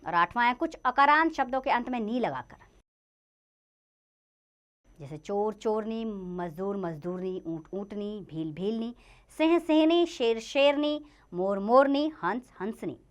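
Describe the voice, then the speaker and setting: A woman's voice: fairly high pitch, animated, unhurried. Sing-song woman teaching grammar to children. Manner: reads word lists in a sing-song, rising and falling lilt; addresses children directly. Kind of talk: Hindi grammar lesson narration.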